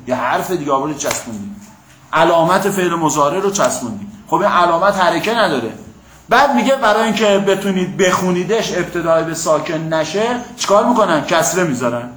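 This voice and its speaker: A man's voice: high-pitched, a bit bright. Man lecturing in an echoey classroom. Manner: explanatory, asks the class "got it?". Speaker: teacher of Quranic exegesis and Arabic. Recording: echoey room, faint hum.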